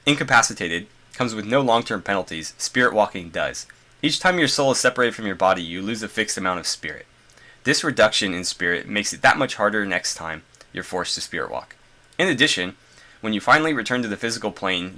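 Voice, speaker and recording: Low, congested man reading game notes. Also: pushed and bright. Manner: reads passages then adds loose asides with fillers. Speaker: gaming video host. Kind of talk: reading and commenting on a game design journal.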